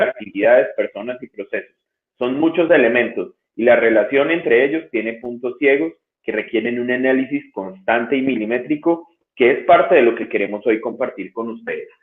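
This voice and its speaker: A man hosting a webinar, introducing a guest in a measured, composed way. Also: mid-range voice. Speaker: host. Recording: echoey tinny phone-like line.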